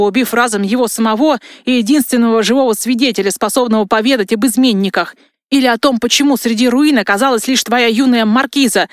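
A woman's voice: a little high, no room sound, lightly acted. A woman voicing a proud, hot-tempered young male crown prince, given to roaring outbursts, in a dry close recording. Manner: bewildered turning to roaring anger.

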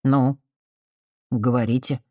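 A woman reading an audiobook voices a desperate young man who answers with bitter sarcasm and often breaks into shouting. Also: very deep voice, steady tone, takes it slowly, no echo, clean studio sound. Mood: sullen.

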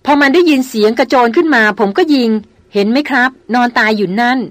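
A woman doing a calm, gentle male hunter. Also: fairly high pitch, quick pace, dry recording, lightly acted. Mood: soothing. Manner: gentle, soothing, reasoning. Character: calm, protective male big-game hunter.

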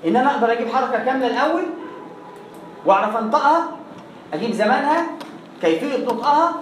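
Egyptian recitation teacher drilling words slowly, far off mic, faint hiss behind. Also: medium pitch, animated. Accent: Egyptian Arabic. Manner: recites example words slowly and repeats them to demonstrate. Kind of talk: classroom lesson with recited examples. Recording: echoey room, voice far from the mic.

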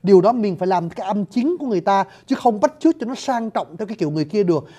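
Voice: mid-range voice, expressive, rapid-fire, warm tone. A lecturer, explaining at length and often addressing listeners directly. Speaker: lecturer on scripts and languages. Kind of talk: spoken lecture.

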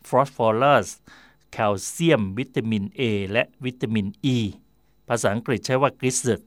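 Man, radio host, casual explainer, digressive, mid-pitched voice, dry close sound. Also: unhurried, no echo. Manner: chatty, digressive, with fillers and self-corrections. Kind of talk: explaining word origins in casual talk.

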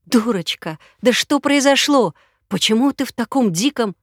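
A woman's voice: a little high, animated, normal speed, no room sound, voice pushed up. An anxious man presses urgent questions, as a woman reader voices him, his tone turning menacing. The audiobook sound is dry and close. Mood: worried.

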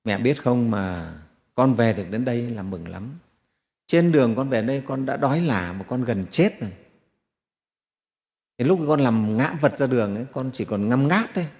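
A man's voice: medium pitch, expressive, moderate pace, a little mellow, natural voice. A man telling as a weary ruined son. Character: exhausted young man back from ruin. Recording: long hall reverb.

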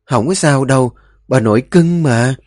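A man voicing a gentle, caring older sister, coaxing and soothing. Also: mid-range voice, normal speed, dry recording, clean studio sound, natural voice.

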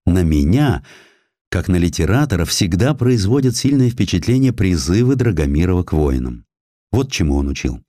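Male narrator, deep pitch, highly varied intonation, dramatic historical storytelling, deliberate pauses, dry studio sound. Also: sing-song, dark tone, no echo. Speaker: audiobook narrator.

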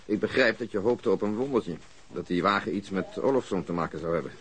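An actor playing a grumbling, morbidly frank police detective in a radio crime drama, sardonic. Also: male voice, low-pitched, fairly quick. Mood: dry, grumbling. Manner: deadpan, sardonic.

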